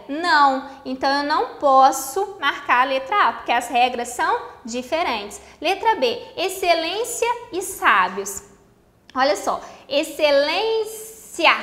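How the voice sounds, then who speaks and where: A woman's voice: high voice, sharp tone, echoey room. A Brazilian woman teaching a Portuguese grammar lesson for exam prep, explaining step by step, asking the class questions and answering them, and stretching out key words.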